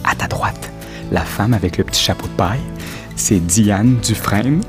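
An actor playing a star-spotting café-goer. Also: male voice, on the low side, normal speed, close to an everyday voice. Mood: excited. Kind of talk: scripted comedy sketch. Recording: music behind the voice.

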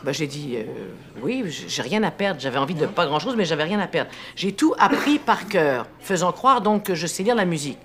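A middle-aged woman with a Québécois French accent tells a personal story over lunch. Her voice sits a little low and swings widely in pitch as she laughs her way through it. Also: a little fast, hardly any pauses. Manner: animated storyteller, laughs often. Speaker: guest actress. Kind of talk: casual chat over lunch.

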